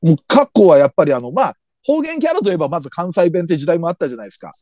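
A man's voice: fairly high pitch, very fast, no room sound, studio quality. A man co-hosting a comedy podcast, chatting casually about anime characters in a chatty way, full of fillers. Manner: animated, chatty, hedging with fillers.

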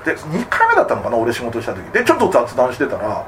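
A man from Tsugaru, a comedian co-hosting a casual podcast chat, rambling and quick to laugh. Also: medium pitch, wildly swooping pitch, fairly bright tone, slight background noise. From Tsugaru, Aomori, Japan.

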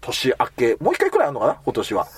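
A man's voice: medium pitch, fast, husky, no room sound. A man hosting a casual anime chat, telling stories and acting out the lines of the people in them. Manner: animated storyteller acting out quoted lines. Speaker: podcast host.

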